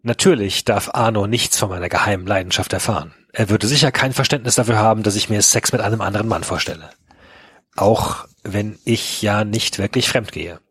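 A man's voice: on the low side, brisk, fairly bright tone, breathy edge, no room sound. A man hosting a podcast, reading a story aloud with amused, wry asides and joining a casual chat. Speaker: podcast host.

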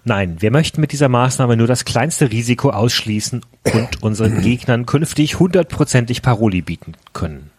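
A man's voice: mid-range voice, expressive, moderate pace, hardly any pauses, a little mellow, husky, dry recording, clean studio sound. A man reading out the lines of a proud, self-assured football club president from a story. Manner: reads the lines aloud from a story.

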